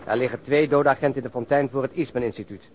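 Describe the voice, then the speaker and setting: An actor in a Dutch radio drama playing an alert, commanding plainclothes police detective. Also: male voice, medium pitch, fairly even intonation, quick pace, darkish tone, a little hiss or hum, lightly acted. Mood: brisk, official.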